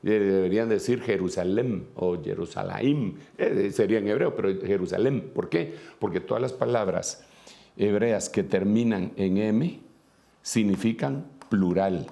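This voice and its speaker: A man's voice: lowish voice, a little slow, gravelly, mellow. A man preaching a sermon, reading scripture aloud and then explaining it at a whiteboard with many fillers and asides.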